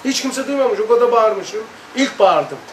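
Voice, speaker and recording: A man leading a religious study circle, earnestly recounting a personal experience and reading aloud, acting out sounds with emphatic, drawn-out words. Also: high-pitched, lively intonation. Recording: echoey room, distant mic, light noise.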